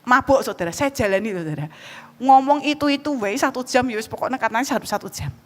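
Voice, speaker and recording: A woman evangelist with a Javanese accent preaching a sermon in a church hall, lively and joking, often calling out to the congregation. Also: fairly high pitch, fast talker. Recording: reverberant church hall, faint background noise.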